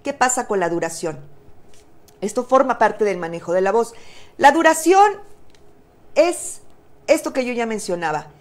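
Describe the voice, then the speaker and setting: A woman's voice: medium pitch, lively intonation, fairly quick. A woman with a Mexican Spanish accent giving a webinar lesson as a voice coach, speaking in a didactic, emphatic way with rhetorical questions and fillers. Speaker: presenter and voice coach.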